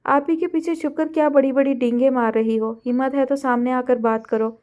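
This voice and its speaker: A woman reading as a hot-headed teenage boy who complains and throws out challenges. Her voice stays high and mellow, with little change from her own. It is a storybook reading. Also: steady tone, brisk, lightly acted. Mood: indignant.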